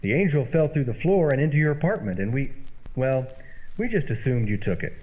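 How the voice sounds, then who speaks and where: Exasperated, pleading radio comedy straight man played by a man, very animated delivery, muffled lo-fi sound. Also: mid-range voice, fairly quick, close to an everyday voice. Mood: apologetic, coaxing. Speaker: comedy double-act performer. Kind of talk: old-time radio comedy acting. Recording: muffled, band-limited old-radio sound, faint noise.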